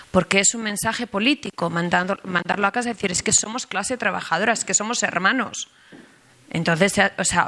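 A middle-aged woman from Spain, a historian speaking at a panel, telling a story in a lively, chatty way with many fillers and restarts. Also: on the low side. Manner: animated storytelling with many fillers and self-corrections. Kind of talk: conversational panel talk.

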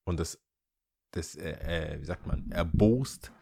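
A man co-hosting a casual podcast chat, animated, dropping English words into his German and pausing to search for words. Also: rumbling low, vocal fry, breathy edge, no room sound, clean studio sound. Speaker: podcast co-host.

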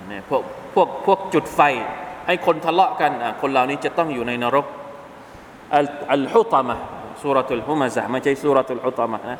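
Male mosque teacher, higher-pitched voice, animated talk broken by slow chanted verses, reverberant hall. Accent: Southern Thai. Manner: lively, self-correcting, chanting Arabic verses slowly. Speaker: Islamic teacher. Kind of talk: mosque lesson with Quran recitation. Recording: echoey hall with faint hiss.

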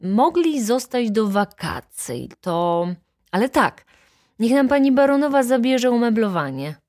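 An insolent young male student, voiced by a woman narrator mocks with a syrupy, sly sweetness. He drawls his excuses in a storybook reading, slightly higher than the narrator. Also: very animated, measured pace, darkish tone, no room sound, clean studio sound. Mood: mocking. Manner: sugary, sly and mocking.

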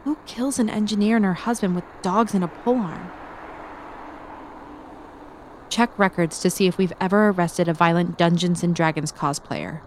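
A woman playing a methodical police detective, dictating a case log in an audio drama in a deliberate, dry way. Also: on the low side, darkish tone, a little hiss or hum, natural voice. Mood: musing, wry. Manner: clinical, deliberate, wry.

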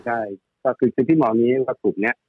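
A man's voice: medium pitch, fairly even intonation, a little fast, husky, no echo, narrow, tinny audio. A man giving casual stock market commentary, chatty and rambling, often repeating his words.

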